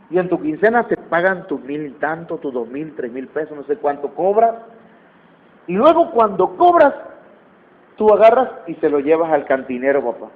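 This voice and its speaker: A Mexican man playing a young boy who earnestly explains things to his father. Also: high-pitched. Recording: tinny phone-like sound.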